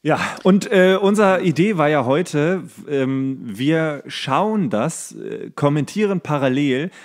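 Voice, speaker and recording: A man's voice: on the high side, animated, takes it slowly. A man hosting a podcast in a casual, rambling chat, often searching for his words. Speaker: podcast host.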